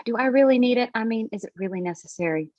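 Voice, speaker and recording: A woman's voice: on the high side, expressive, fast, darkish tone, no room sound, muffled recording, lightly acted. A woman playing a fussy, vain country woman who grumbles in a folksy, exasperated way at a screenplay table read.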